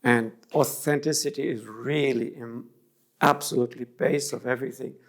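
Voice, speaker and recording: A man's voice: mid-range voice, steady tone, moderate pace. A middle-aged man from Germany, an interview guest speaking thoughtfully and restarting phrases mid-sentence. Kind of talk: reflective interview.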